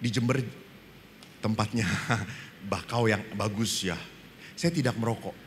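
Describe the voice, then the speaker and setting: A middle-aged man, a Catholic priest, giving an animated family seminar talk and acting out humorous stories with quoted dialogue. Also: fairly low pitch, measured pace. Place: seminar hall. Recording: reverberant hall with faint ambient noise.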